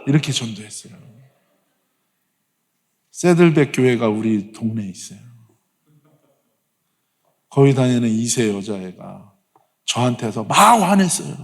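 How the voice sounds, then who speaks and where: A man preaching as a guest pastor, leading the congregation in call and response and telling stories in an animated way. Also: medium pitch, unhurried, long pauses. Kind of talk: sermon. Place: church sanctuary. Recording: long church hall reverb.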